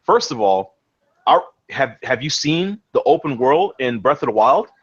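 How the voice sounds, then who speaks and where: A young man hosting a casual gaming podcast, talking excitedly, swearing freely and repeating his words as he goes. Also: medium pitch, measured pace, breathy edge, lo-fi sound. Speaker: podcast host.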